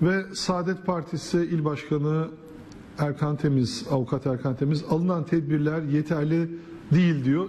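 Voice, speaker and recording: A plain, everyday voice from a man, fairly high in pitch, with fairly even intonation. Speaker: local TV news presenter; TV news presenter. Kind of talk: morning news show. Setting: studio. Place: studio.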